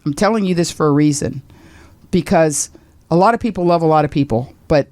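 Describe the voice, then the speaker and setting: A radio talk host in her sixties appears as a guest and tells a personal story briskly, exclaiming loudly and acting out quotes with big leaps in pitch. There is no echo.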